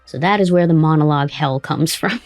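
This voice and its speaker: An interview host and audio drama writer with a creaky voice, talking conversationally. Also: medium pitch, brisk, dry recording, faint music behind.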